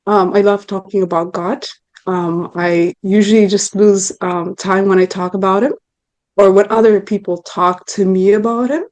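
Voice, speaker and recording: A woman's voice: mid-range voice, fairly even intonation, moderate pace, darkish tone. A woman in her twenties from Ethiopia, answering interview questions earnestly, with frequent ums and restarts. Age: 20s. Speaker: interview guest. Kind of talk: casual interview talk.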